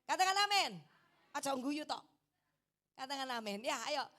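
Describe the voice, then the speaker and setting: Animated high-voiced East Javanese woman preacher. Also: moderate pace. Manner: animated, mixes in Javanese, coaxes the congregation to say amen. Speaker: evangelist preacher. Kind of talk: lively sermon. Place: church hall.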